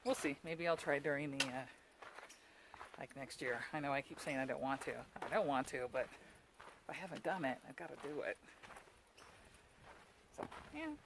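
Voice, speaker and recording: A woman's voice: extremely low pitch, moderate pace, pauses often, background noise. A woman chatting casually to her camera as a vlogger, laughing often and poking fun at herself. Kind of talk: casual vlog chat. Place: on a mountain trail outdoors, later at home.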